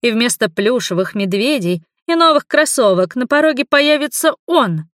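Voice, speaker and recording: A young daughter bursts out in high, loud, accusing cries, as a woman narrator puts her on. Her voice sits well above the reader's usual low tone and cracks with tears. The recording is dry and close. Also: very animated, slow pace, dry recording, full character voice. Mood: angry shouting. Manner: shouting, tearful, accusing.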